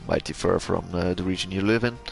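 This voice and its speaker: Belgian-accented man, sim race commentator, gravelly, halting, loud music underneath. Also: deep voice, steady tone. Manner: hesitant, many fillers and restarts. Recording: game engine noise and loud music behind. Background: engine noise and music.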